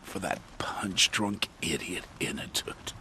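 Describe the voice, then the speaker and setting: An actor playing a bitter tribal killer in a video game, with a gravelly, hushed voice and a cold, menacing manner. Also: male voice, low voice, slow, a little hiss or hum, full character voice. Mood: bitter menace.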